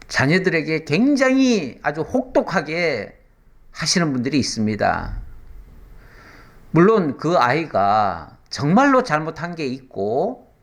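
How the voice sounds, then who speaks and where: A man's voice: on the high side, a bit bright. A male pastor giving a conversational sermon, asking his listeners questions and acting out short quotes as he teaches.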